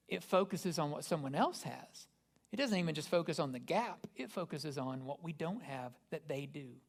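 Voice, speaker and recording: A man, a pastor, giving a conversational sermon and asking the congregation rhetorical questions. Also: a little high. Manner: casual, asks the listeners rhetorical questions.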